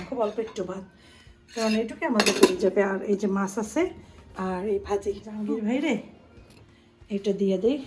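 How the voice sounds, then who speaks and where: A woman's voice: mid-range voice, rough recording. A woman in her thirties with a Bangladeshi accent, chatting casually to the camera as she cooks and does chores in her home kitchen. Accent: Bangladeshi Bengali. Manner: chatty, talks to camera and family while doing chores. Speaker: home vlogger. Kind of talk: casual chatty cooking narration.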